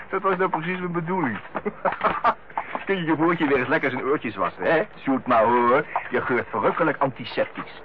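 An actor playing a lighthearted, teasing youngest brother in a Dutch radio play, with a jovial, bantering manner. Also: male voice, fairly high pitch, moderate pace, close to an everyday voice. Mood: playful. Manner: jovial, bantering, chuckling way of talking. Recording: dull, noisy old radio play recording.

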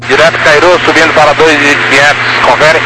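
A male pilot with a slightly high voice gives clipped requests and readbacks. His aviation radio channel is swamped by loud noise and engine hum. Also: steady tone, brisk. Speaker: pilot on air traffic radio.

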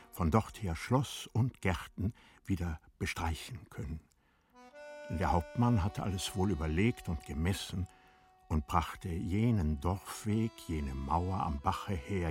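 A man narrating a literary radio play in a measured, formal storytelling manner. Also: sits low, darkish tone.

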